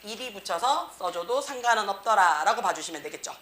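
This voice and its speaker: A woman's voice: mid-range voice, brisk. A woman teaching an English grammar class, checking in with the students after nearly every phrase. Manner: tag question after nearly every phrase, lively reading. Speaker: English teacher at a cram school. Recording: echoey room.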